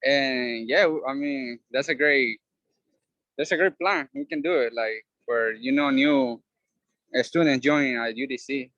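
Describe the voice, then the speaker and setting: A young man whose first language is Spanish, a student sharing his story on a video call, speaking haltingly with many fillers and restarts. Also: medium pitch, fairly bright tone, dry recording, lo-fi sound. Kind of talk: casual sharing on a video meeting. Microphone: video call, camera off.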